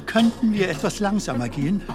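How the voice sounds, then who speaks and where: Lively, nervous elderly English comedian. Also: male voice, sits high, fairly quick. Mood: curious. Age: 70s. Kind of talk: radio play acting.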